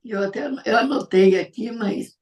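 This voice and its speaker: A middle-aged woman with a Brazilian Portuguese accent, hosting a live show and speaking in a heartfelt, reflective way with soft laughs. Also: on the high side, moderate pace, recorded from a distance. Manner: emotional, reflective, laughing softly between thoughts. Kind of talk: heartfelt live-stream talk.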